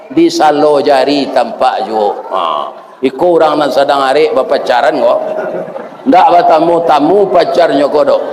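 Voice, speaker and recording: A man's voice: on the high side, darkish tone. A man preaching a sermon with a Minangkabau accent, in a folksy way, often asking the listeners for agreement. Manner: folksy, addresses listeners as "Pak", asks "ya kan?". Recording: echoey hall with faint ambient noise.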